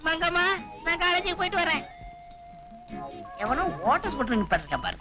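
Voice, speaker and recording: An actor playing a muddled, forgetful young college student in a film comedy, bickering in a bewildered way. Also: male voice, very high voice, sing-song, a little fast, over music, exaggerated voice. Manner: bewildered, bickering comic delivery. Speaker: comic lead in a film.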